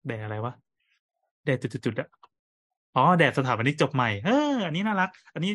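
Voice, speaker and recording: A man's voice: medium pitch, expressive, normal speed, a bit bright, husky. A man in his thirties co-hosting a podcast, chatting casually with friends in joking, slangy banter. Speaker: podcast co-host. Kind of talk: casual chat among friends.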